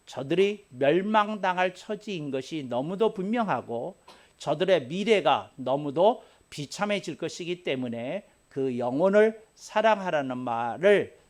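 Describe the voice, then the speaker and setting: Man preaching earnestly in a higher voice. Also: a little mellow. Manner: earnest, conversational preaching, repeats key phrases. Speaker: pastor. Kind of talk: sermon.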